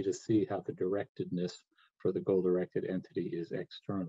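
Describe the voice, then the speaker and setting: Against a quiet background, the voice sounds somewhat breathy with a dark, mellow tone. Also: man. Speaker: biology professor. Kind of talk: pre-recorded lecture. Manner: fast. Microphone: webcam.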